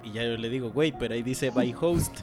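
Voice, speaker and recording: A man with a Mexican accent jokes his way through an anecdote in casual, slangy chat. His voice sits at a middling pitch, with a faint music bed underneath. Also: fast. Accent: Mexican Spanish. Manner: joking, slangy banter.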